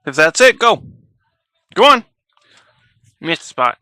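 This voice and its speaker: Bright-voiced man chatting to his pets. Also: a little high, sing-song, takes it slowly, clear, resonant tone, no room sound. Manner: coaxing and scolding his pets in a chatty, joking way. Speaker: streamer. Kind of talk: casual live-stream chat.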